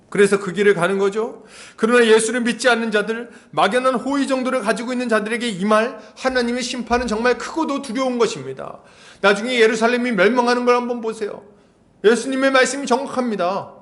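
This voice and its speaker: A man preaching an expository sermon as a pastor, telling a story and asking the congregation questions. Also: very high voice. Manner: storytelling with lively, animated delivery and rhetorical questions. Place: church.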